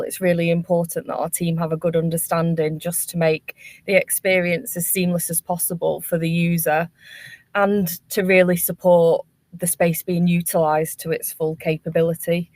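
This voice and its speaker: A woman's voice: lowish voice, a little mellow, no room sound. A woman giving a fluent, businesslike answer as a company panellist on a corporate webinar. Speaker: workspace company representative, panellist.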